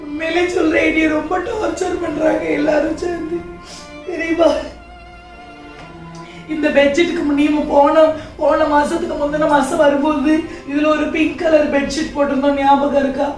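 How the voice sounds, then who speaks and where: In a church family skit, an actress plays a young wife tormented by her in-laws, tearfully pouring out her hurt in a high, emotional voice that also sounds flat and close to everyday speech at normal speed. She pleads and bursts into anger, recorded from a distance in a very echoey room with soft music behind.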